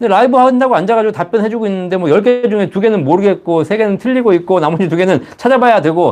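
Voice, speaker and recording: A man's high-pitched voice at a very fast pace. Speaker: pension advice show host. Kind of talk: live Q&A broadcast. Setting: live stream studio. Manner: continuous, no pauses.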